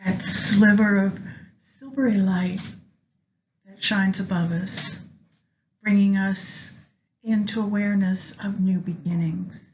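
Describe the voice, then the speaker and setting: A woman leading a guided meditation with astrology, speaking gently and in measured short phrases with long pauses. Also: medium pitch, steady tone. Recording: dull lo-fi sound, faint background noise.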